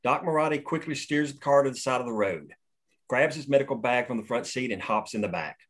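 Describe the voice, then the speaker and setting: A man reading the stage directions aloud at a script table read in a steady, plain way. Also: mid-range voice, fairly quick.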